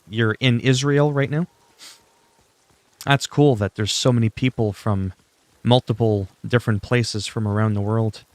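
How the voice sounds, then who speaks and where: A man's voice: mid-range voice, dry recording. Chatty French-native male gaming streamer. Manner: chatty, opinionated, talks to chat. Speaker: gaming livestreamer. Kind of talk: casual livestream chat while playing.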